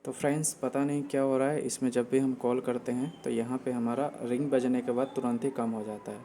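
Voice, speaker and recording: A man's voice: medium pitch, flat delivery, a little fast, heavy background noise. A man explaining settings step by step in a casual tutorial style, often repeating himself as host.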